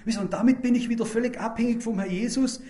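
An older man preaching a sermon, addressing the congregation directly with rhetorical questions and swinging between loud emphasis and quiet asides. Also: very high voice, quick pace.

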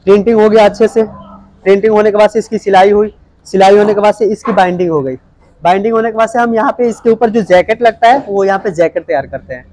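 A young man with a high, quick, slightly mellow voice leads a reporter across a big indoor printing factory full of running machines, plainly explaining each production step with fillers and restarts. He speaks into a handheld mic held by the interviewer, with slight background noise.

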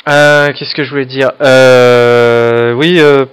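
A man's voice: mid-range voice, flat delivery, slow pace, smooth. A man hosting a video game let's play, reading the on-screen options aloud and adding hesitant, joking comments full of fillers. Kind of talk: casual gameplay commentary.

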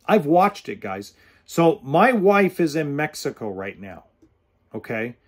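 A man in his forties hosts his podcast with blunt, earnest straight talk, speaking casually to camera and gesturing with his hands. His slightly rough voice sits a little high for a man, sing-song and a little slow. He speaks close to a studio mic with a pop filter, indoors in an RV or home kitchen.

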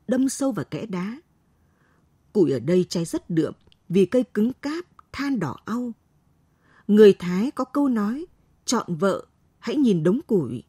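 A woman reads a late-night story in a slow, gentle, lilting voice. Her tone is mellow and a little husky. The recording is dry and close. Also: mid-range voice, dry recording. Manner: slow, gentle, expressive reading.

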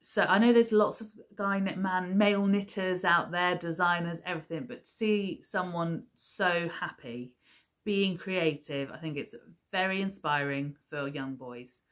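A woman's voice: on the low side, unhurried. A woman in her thirties chatting casually to camera as a crafting vlogger, rambling with lots of ums and restarts, recorded on a camera at table distance in her living room. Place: living room at home, seated on a sofa.

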